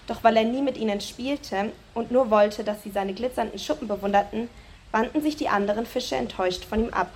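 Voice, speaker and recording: A woman's voice: on the high side, brisk, a little hiss or hum. Woman reading a children's story. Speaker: story reader at a church service.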